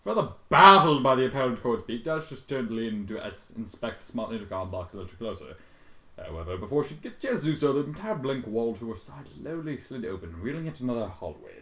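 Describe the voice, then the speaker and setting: Echoey, theatrical man with swooping pitch. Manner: theatrical, exasperated, with sudden loud outbursts. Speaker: fan fiction reader and commentator. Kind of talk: dramatic reading with sweary ad-libbed commentary.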